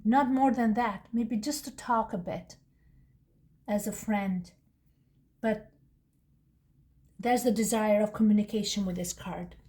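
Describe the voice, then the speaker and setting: A woman's voice: mid-range voice, unhurried, long pauses, dark tone. A woman with a non-native English accent giving a casual, rambling tarot reading, full of restarts and asides. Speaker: tarot reader.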